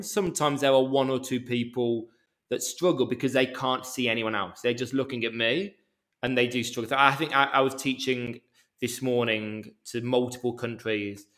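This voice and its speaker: A man's voice: mid-range voice, fairly bright tone. Man with a mild Birmingham accent. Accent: mild Birmingham English. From England. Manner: deliberate, slowed speech for international listeners. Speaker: yoga teacher, podcast guest. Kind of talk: casual interview chat.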